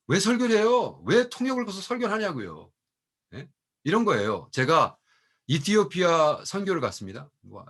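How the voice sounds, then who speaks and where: A middle-aged man, a pastor and mission professor, telling testimony stories in an animated way and acting out the people he quotes. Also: mid-range voice, breathy edge. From Korea. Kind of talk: storytelling testimony talk.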